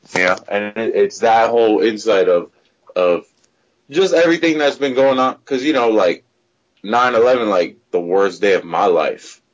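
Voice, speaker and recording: At a moderate pace, a man with a medium-pitched voice speaks with lively intonation and very even loudness. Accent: American. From US, Pakistani American family. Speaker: stand-up comedian. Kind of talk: casual interview chat. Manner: animated.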